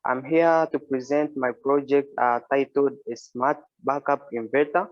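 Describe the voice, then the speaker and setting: A man's voice: mid-range voice, steady tone, measured pace. A young man from Tanzania presents and demonstrates his own project in a workshop, speaking plainly with frequent fillers, recorded on a phone. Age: young adult. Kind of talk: informal project presentation and demo. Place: workshop with wooden benches, indoors. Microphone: phone camera held at arm's length, wearing headphones. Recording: dull lo-fi phone audio.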